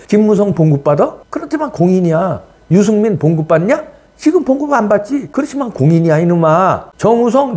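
A middle-aged man, a political commentator, ranting angrily and scornfully, scolding and mocking with sudden drops and jumps in his voice. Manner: scolding, mocking, shouts insults and swings wildly up and down in pitch. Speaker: political commentator, channel host. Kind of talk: angry political rant to camera.

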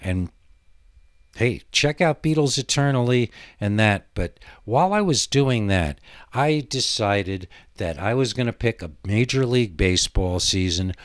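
Low-voiced man rambling on a podcast. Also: lively intonation, a little slow, no echo, studio quality. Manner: digressive, hesitant. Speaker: podcast host. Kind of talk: rambling casual solo monologue.

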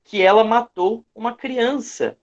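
A man's voice: high voice, unhurried. A man with a Brazilian accent teaching an online lesson, reading a fairy tale aloud and explaining it didactically, repeating phrases for emphasis. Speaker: English teacher. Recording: dull, lo-fi online call audio.

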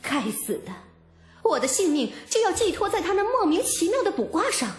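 A woman's voice: extremely high pitch, very animated, moderate pace, faint music behind, voice pushed up, heavily acted. A woman voicing a proud, sardonic young woman who stands accused at a royal court, cool and mocking, in an audiobook. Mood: defiant, indignant. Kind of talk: audiobook character acting.

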